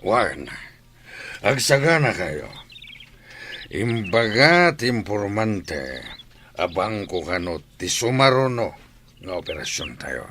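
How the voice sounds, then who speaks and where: Slow, forceful Ilocano male gang boss actor. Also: lowish voice, sing-song, slight background noise, heavily acted. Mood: commanding. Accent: Ilocano Filipino. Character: bossy, gleeful male leader of a bank-robbing gang. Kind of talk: Ilocano radio drama acting.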